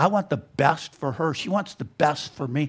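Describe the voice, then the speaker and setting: A man talks in a fairly high, somewhat breathy voice with lively intonation. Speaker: pastor. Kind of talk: sermon. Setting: church. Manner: halting.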